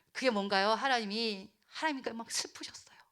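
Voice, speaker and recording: A woman pastor preaching to teenagers, animated, acting out voices and dropping to whispers for emphasis. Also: fairly high pitch, moderate pace. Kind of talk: youth sermon.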